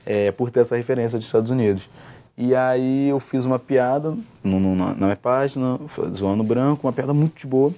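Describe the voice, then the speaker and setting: A young man, a stand-up comedian telling stories in a casual interview, with many restarts. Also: medium pitch. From Rio de Janeiro, Brazil. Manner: fast, relaxed storytelling with many restarts and fillers.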